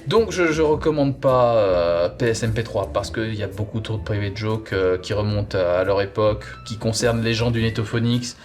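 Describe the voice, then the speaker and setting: A man's voice: lowish voice, normal speed, few pauses, faint music behind. A man presenting a comic, conversational review, rambling playfully and drawing out words for emphasis.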